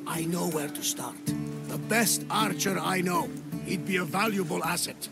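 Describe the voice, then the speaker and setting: An actor playing a genial, wily older ship captain in a video game, with a gravelly, hearty delivery. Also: male voice, sits high, moderate pace. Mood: genial, coaxing. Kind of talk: video game character dialogue. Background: game music, boat and sea sounds.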